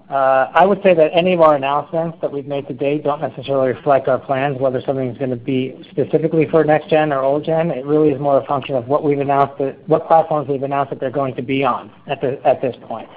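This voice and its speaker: A male executive with a mid-pitched voice answers questions on an earnings call. The audio is thin and phone-like. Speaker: company executive. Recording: tinny phone-like conference call.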